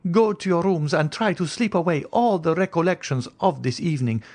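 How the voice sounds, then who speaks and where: Man voicing an imperious, high-pitched anxious countess. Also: a little fast, a little mellow, close to an everyday voice. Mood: anxious, pleading. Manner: dramatic, emphatic, formal old-fashioned phrasing. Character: frightened, imperious Italian countess, coaxing and superstitious. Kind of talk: audiobook character acting.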